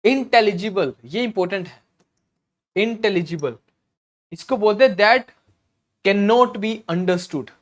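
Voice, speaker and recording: Hindi-English exam teacher, clears throat often. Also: male voice, high-pitched. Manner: explains slowly, repeats words, frequent "theek hai" and "okay" checks. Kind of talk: vocabulary lesson in Hindi-English mix.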